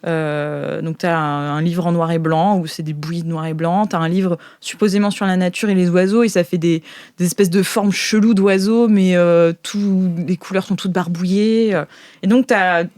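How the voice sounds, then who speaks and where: A woman's voice: on the low side, fairly even intonation, moderate pace, a little mellow. A woman narrating an improvised tabletop game as game master, in an informal, descriptive and hesitant way.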